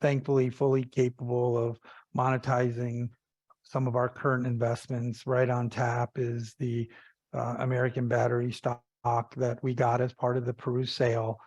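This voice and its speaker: Man, company executive, flat intonation, mellow tone, emphatic repetition, earnings call answers. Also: medium pitch, moderate pace, no room sound, dull audio.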